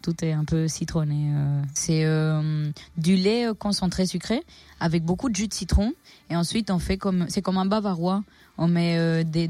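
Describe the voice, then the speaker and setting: Young woman from colombia, mellow lowish voice, dry close sound, hesitant. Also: dry recording. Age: 20s. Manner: relaxed, hesitant, many fillers. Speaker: interviewed singing contestant. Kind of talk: casual interview answers.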